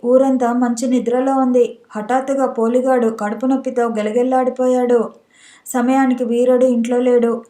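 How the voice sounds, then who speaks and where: A woman narrates an audiobook story in a measured, even reading. Her fairly high voice is mellow and keeps a flat melody. A roomy echo hangs around the recording.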